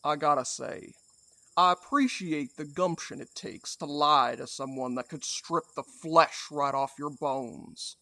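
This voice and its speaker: A man's voice: fairly high pitch, a little slow, vocal fry, sharp tone, no room sound, heavily acted. A man playing a menacing, mock-courteous supernatural villain in an audio drama. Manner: drawling, theatrical, mock-polite. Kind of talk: audio fiction drama acting.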